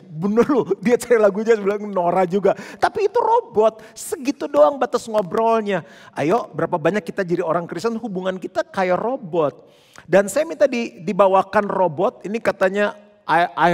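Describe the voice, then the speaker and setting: A male pastor preaching a sermon in a lively, conversational way with playful asides. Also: sits high. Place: church hall. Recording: long church hall reverb.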